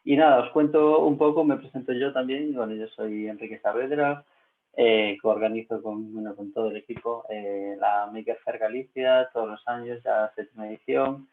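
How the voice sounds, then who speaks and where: A man's voice: fairly low pitch, moderate pace. A man with a Spanish accent from Spain moderating an online panel, talking casually with many hesitant filler sounds. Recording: tinny phone-like audio.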